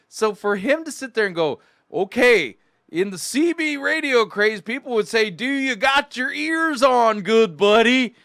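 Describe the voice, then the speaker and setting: Middle-aged man, high voice, dry close sound, sarcastic critical commentary, mock quoting. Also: a bit bright, no room sound. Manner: scornful, sarcastic, acting out mock quotes. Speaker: host of a sermon critique show. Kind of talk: mocking commentary on played sermon clips.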